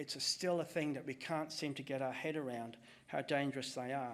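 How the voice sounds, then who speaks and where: Pitch varying an ordinary amount, a man talks with an Australian accent. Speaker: entomologist giving a conference talk. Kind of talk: conference presentation.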